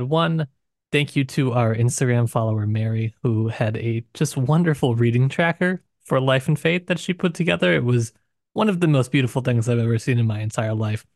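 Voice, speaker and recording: With a mid-range voice, this male podcast co-host chats thoughtfully about books, frequently hedging his remarks as he talks. The recording is dry with clean studio sound.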